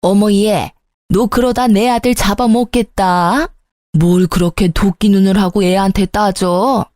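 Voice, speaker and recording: A woman voicing a sharp-tongued, scolding middle-aged mother-in-law in a radio drama. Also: medium pitch, steady tone, measured pace, dry recording, clean studio sound, close to an everyday voice. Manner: scolding, reproachful.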